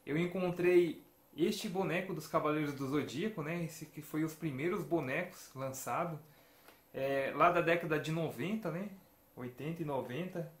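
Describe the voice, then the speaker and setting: Surrounded by shelves of games and toys at home, a thirtysomething man with a Brazilian Portuguese accent talks casually to camera as a retro gaming vlogger. His voice is a little high and moves at normal speed, the audio has a roomy quality, and his anecdotes lean heavily on tag questions.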